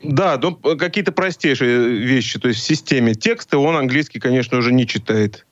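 A man explains software as an interview guest in a mid-range voice. He speaks haltingly, searching for the right words. The audio is very dry and a little lo-fi. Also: mid-range voice, no echo. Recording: dry, slightly dull lo-fi audio.

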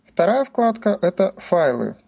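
A man's voice: sits high, sing-song, moderate pace, vocal fry, darkish tone, husky. A man giving scripted instructional narration as a tutorial presenter, explaining things methodically, step by step.

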